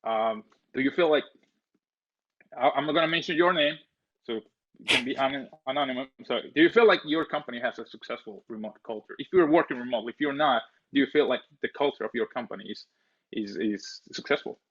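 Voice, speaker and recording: A man's voice: medium pitch, fairly quick, fairly bright tone, slightly rough, muffled recording. A man from El Salvador talking casually as a webinar co-host, often repeating his words.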